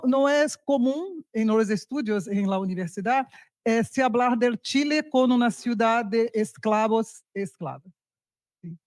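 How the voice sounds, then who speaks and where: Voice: medium pitch, dry recording. A native Portuguese speaker with a Brazilian accent asking a question in Spanish during a video-call seminar, searching for words. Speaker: seminar participant.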